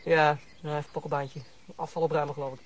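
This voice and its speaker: An actor playing a casual gun enthusiast in a radio drama, talking in an offhand way. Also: male voice, a little high, flat delivery, quick pace, close to an everyday voice. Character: casual male gun enthusiast at target practice. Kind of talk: Dutch radio drama dialogue.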